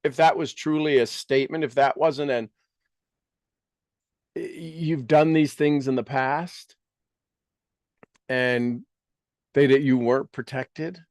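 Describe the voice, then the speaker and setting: A man speaking as a business coach in a motivational talk, asking rhetorical questions and repeating phrases emphatically with deliberate pauses. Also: mid-range voice, fairly even intonation, a little mellow, dry recording, studio quality.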